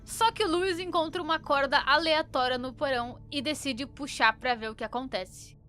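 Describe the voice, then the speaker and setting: A woman's voice: high-pitched, normal speed, music in the background. A young woman with a Brazilian accent recapping a story in casual commentary, with informal, opinionated asides. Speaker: YouTube commentator.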